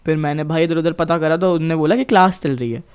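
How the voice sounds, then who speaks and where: A man's voice: on the high side, quick pace, clear, resonant tone. A young man in his late teens from Bhopal, India, telling a school story in casual podcast chat, cursing a lot and slipping English phrases into his talk. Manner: profane, animated, mixes English phrases into Hindi. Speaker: podcast co-host.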